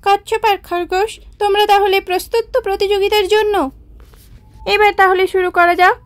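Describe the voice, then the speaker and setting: A woman's voice: very high-pitched, level tone, a little fast. A woman voicing a male animal referee in a children's cartoon, speaking in a formal, announcing way. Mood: brisk, official. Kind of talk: children's moral-story cartoon dialogue.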